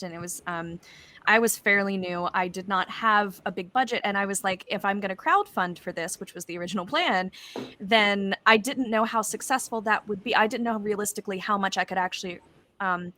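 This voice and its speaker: A woman's voice: medium pitch, pushed and bright. A woman speaking as an audio drama creator, recounting her experience in a casual panel discussion.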